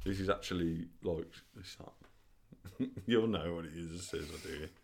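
A man's voice: sits low, moderate pace, creaky, a little hiss or hum. A man hosting a comedy podcast, joking and laughing through casual banter. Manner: laughing, jokey, swears freely. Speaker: podcast host.

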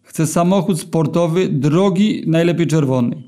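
A man voicing a crude, excitable young slob who swears and makes demands, in a read-aloud story. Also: a little high, measured pace, natural voice. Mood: demanding.

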